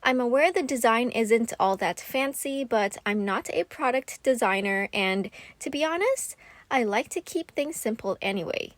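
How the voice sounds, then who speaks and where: A woman from Thailand narrates a voiceover for her painting channel, chatty and upbeat, with a touch of self-deprecating humor. Her voice sits a little high. It is recorded close and dry, with no room sound. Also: lively intonation, moderate pace, dry recording. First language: Thai. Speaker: art channel creator. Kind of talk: voiceover narration of a craft video.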